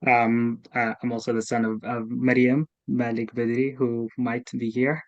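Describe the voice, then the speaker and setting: Male guest on a video call: very flat, hesitant, lots of ums, muffled dry sound. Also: mid-range voice, dry recording. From Sudan. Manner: halting, many fillers. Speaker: guest, family member. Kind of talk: self-introduction. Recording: dull lo-fi call audio.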